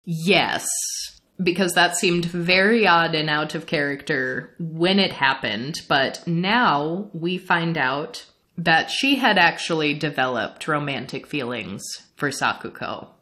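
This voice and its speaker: A young adult woman from the Midwestern United States, chatting casually as a podcast co-host, animated and laughing often. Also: deep voice, slow. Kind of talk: casual chat recapping an anime series.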